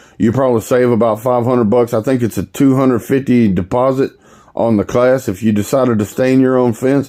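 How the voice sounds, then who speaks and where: Speaking at a fairly quick pace with very even loudness, a man with a Texan accent has a medium pitch and a dark, mellow tone. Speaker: fence staining contractor. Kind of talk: tutorial. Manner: halting, many fillers; casual, unscripted.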